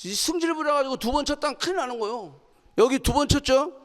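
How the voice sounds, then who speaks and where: A woman's voice: sits high, fast talker. Woman pastor preaching, voice swings all over, long church hall echo, keeps asking the room questions. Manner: animated, asks the congregation questions and acts out quotes. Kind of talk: sermon. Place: church sanctuary.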